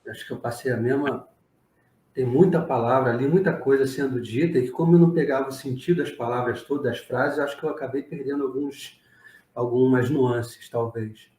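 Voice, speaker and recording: A man's voice: mid-range voice, a little fast, warm tone. A man hosting an interview, asking short, easygoing questions. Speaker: podcast host. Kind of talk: casual interview. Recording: roomy echo.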